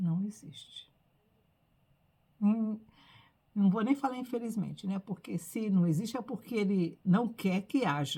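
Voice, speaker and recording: A woman's medium-pitched, somewhat breathy voice, dark and mellow in tone, with lively intonation at a fairly slow pace. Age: 70s. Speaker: Bible teacher. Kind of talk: Bible study talk. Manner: conversational, emphatic.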